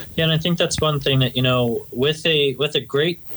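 A man with an American accent talks at a fairly quick pace in a normal speaking voice. His intonation stays fairly even. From Southern California. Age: 20s. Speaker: pilot and military veteran. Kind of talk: podcast interview.

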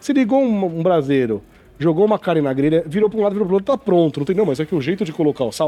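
A man talks at a very fast pace in a high pitch. His tone is dark and mellow, with very wide pitch swings. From Greater São Paulo, ABC region. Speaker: chef. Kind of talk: casual chat. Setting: live stream studio in a shop.

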